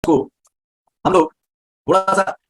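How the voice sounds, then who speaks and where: A man teaching a live voice class, explaining breathing, volume and pitch with everyday examples and often checking whether students follow. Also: slow pace, a bit bright. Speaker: voice coach.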